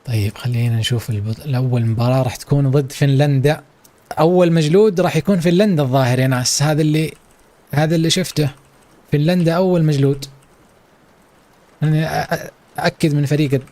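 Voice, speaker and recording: A man with a Saudi accent streams live and talks quickly to his viewers while they watch an esports match together. His voice is warm and mellow, and his mood is hyped and playful, full of chatty asides. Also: medium pitch. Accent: Saudi Arabic.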